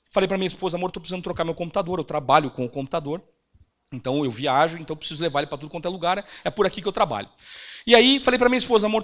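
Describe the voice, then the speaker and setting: A Brazilian man giving a church finance seminar, telling a personal testimony and acting out the dialogue. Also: high voice. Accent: Brazilian Portuguese. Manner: animated storytelling, acts out quoted dialogue.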